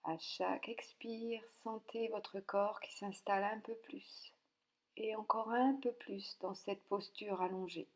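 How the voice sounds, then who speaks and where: Slow, soothing woman guiding relaxation. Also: mid-range voice. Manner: calm, soothing, with long pauses. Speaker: yoga nidra relaxation instructor. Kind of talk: guided meditation, softly spoken instructions.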